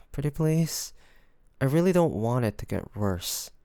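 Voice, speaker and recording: Casting: male actor as devoted, worried boyfriend for one-sided audio drama; gentle, hesitant, slightly gravelly voice, close dry sound. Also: medium pitch, sing-song, dry recording. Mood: concerned, pleading. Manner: gentle, hesitant, pleading, with sighs and pauses. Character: loving, worried boyfriend coaxing his sick partner to rest.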